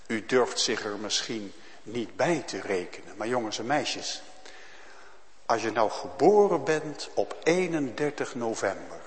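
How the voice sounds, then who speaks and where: A man preaching a solemn sermon as pastor to his congregation, with loud emphatic calls. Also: medium pitch, lively intonation, measured pace. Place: church. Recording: long church reverb.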